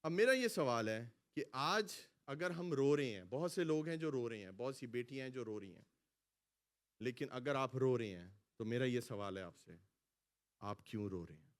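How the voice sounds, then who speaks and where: A male pastor preaching a sermon in a church hall, calling out lines for the congregation to repeat and swinging between loud exclamations and quiet asides. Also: mid-range voice, animated. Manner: preaching, has the congregation repeat phrases after him. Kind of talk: sermon with call-and-response.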